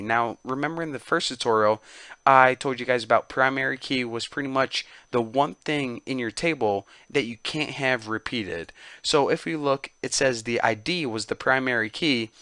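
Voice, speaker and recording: A man's voice: medium pitch, smooth, no echo, studio quality. A man hosting a casual screen-recorded tutorial, chatty and loose with many fillers. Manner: relaxed, chatty, uses many fillers like "go ahead" and "basically". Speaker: tutorial host.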